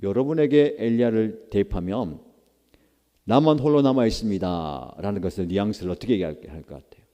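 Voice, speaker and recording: A man's voice: lowish voice, lively intonation, brisk, dark tone, lo-fi sound. A man preaching a sermon at a church prayer meeting, acting out prayers and quotes with rising emphasis. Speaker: pastor. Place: church sanctuary. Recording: long church hall reverb.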